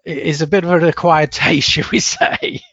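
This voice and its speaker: As a podcast guest in a casual interview, a middle-aged Englishman speaks with a lilt at a normal pace, hesitating and doubling words as he searches for them, with self-deprecating laughs. His voice is a touch high for a man. The recording is dry, a bit muffled yet slightly bright, with no room sound.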